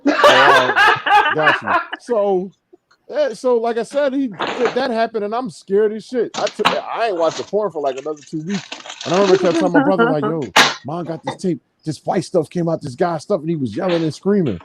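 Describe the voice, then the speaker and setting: A man with a somewhat high voice that swings widely up and down as he spins a profane story on a podcast. He laughs often and talks loosely over a video call stream. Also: very animated, brisk, very noisy. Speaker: podcast host. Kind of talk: casual storytelling chat.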